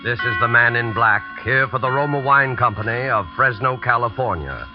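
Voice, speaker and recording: A man hosting and narrating a 1940s radio suspense show in a measured, ominous way. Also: mid-range voice. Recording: muffled 1940s radio broadcast with music.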